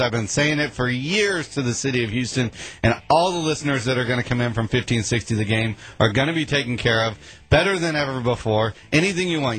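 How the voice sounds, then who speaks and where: A man pitching his jewelry store in a live radio commercial, in pushy salesman patter. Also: a bit bright, rough recording.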